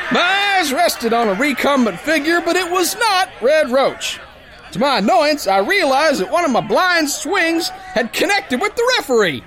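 Very high-pitched, brash brawling sailor. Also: male voice, sharp tone, heavily acted. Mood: worked up. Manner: folksy uneducated tough-guy diction, boisterous, exclamatory. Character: brash, hot-headed, dim-witted brawling male sailor boxer telling his tale. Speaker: audio drama narrator and lead actor. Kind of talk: theatrical first-person pulp story narration.

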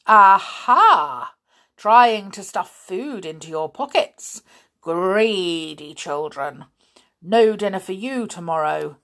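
A woman's voice: a little high, big pitch swings, takes it slowly, pitched above the performer's own voice. A woman voicing a stern, bossy male schoolmaster who roars his orders. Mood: roaring. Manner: shouting, barking orders.

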